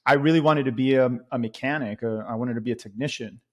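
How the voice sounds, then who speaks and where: A man in his forties from Venezuela tells his story at an easy, relaxed pace. He fills his talk with "um" and "dude" and keeps it casual. He speaks close into a boom mic in a studio, at an ordinary mid pitch. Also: quick pace. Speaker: podcast host and guest. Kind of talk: casual interview chat. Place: studio with a bright neon sign on a plain wall.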